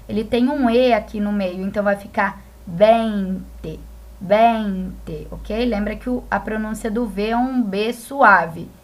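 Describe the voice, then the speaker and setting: A Portuguese-speaking woman teaching a language lesson from slides, patient and repetitive, often checking that students follow. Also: a little high. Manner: patient, repeats examples, checks understanding with "né?" and "tá?". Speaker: Spanish teacher. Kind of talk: slide-based classroom lesson.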